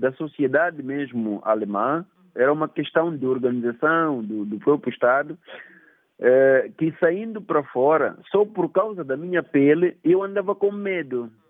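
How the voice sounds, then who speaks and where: Speaking at a fairly slow pace, a man uses lively intonation and a fairly high pitch. He has a Mozambican accent. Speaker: former student and rights activist. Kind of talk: interview. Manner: hesitant with fillers.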